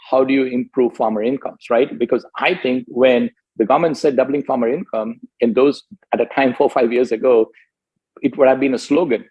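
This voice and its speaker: A man giving a business presentation as a company executive, emphatic and deliberate, point by point. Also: mid-range voice, a little mellow, husky, rough recording.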